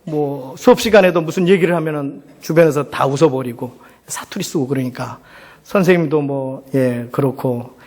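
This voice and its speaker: Middle-aged male pastor, higher-pitched voice, conversational storytelling sermon, rhetorical questions, long hall reverb. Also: normal speed, darkish tone. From South Korea. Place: large church hall.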